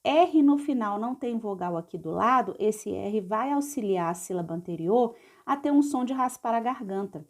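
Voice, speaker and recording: A woman's voice: on the high side, lively intonation, darkish tone. A Brazilian woman teaching an adult literacy class, sounding out syllables letter by letter and often checking in with her students. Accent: Brazilian Portuguese. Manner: patient, spells letters slowly, checks in with "tá bom?".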